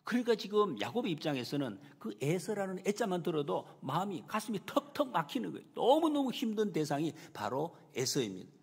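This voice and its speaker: A male pastor preaches with a lively, rising and falling delivery, and his slightly husky voice rings through a church with a long, trailing reverb. He bursts into raised, acted-out lines when he voices the people in his story. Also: high-pitched, a little fast, few pauses. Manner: animated, acts out quoted lines with raised voice. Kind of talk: sermon. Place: church sanctuary.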